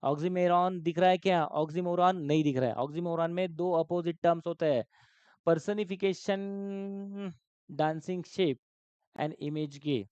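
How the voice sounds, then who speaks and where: A man's voice: on the high side, unhurried, darkish tone, smooth, no echo. Dry, dull-sounding teacher, a man. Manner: questioning, repeats terms, mixes English terms into Hindi. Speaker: exam-prep English teacher. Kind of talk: live online class.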